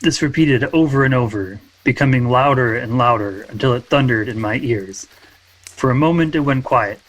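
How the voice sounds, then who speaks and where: A man's voice: medium pitch, moderate pace, rough recording. A man narrates his character's story on a tabletop game podcast. His voice sits in a medium register as he tells what happens.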